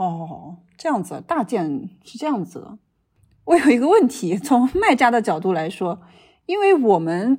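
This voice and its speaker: In a very clean recording with a silent background, a woman speaks fairly slowly in a fairly high pitch with a dark, mellow tone. Her pitch swings very widely and her loudness rises and falls sharply. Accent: slight Shanghai. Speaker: clothing brand co-founder. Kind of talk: casual chat.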